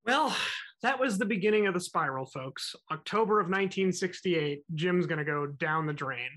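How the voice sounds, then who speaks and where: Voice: medium pitch, lively intonation, moderate pace, a bit bright. A podcast co-host telling a music history story in a casual, conversational way, acting out quotes and using fillers.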